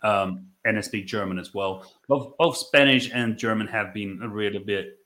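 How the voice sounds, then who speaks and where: Dutch man, reflective and halting. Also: on the low side, sharp tone. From Netherlands. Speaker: podcast guest, business owner. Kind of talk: conversational interview storytelling.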